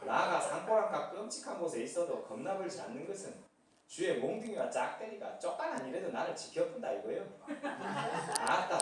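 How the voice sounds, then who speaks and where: A man voicing a folksy countryman with a Jeolla dialect, drawling and laughing as he recites. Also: on the high side. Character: folksy southwestern man boasting of his shepherd. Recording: echoey church hall from far off.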